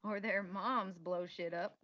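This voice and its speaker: A woman's voice: medium pitch, fairly even intonation, slow pace, lightly acted. A woman playing a kind, worried, weary mining-town woman in a script read, subdued and plainspoken. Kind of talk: screenplay table read. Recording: dull, lo-fi sound.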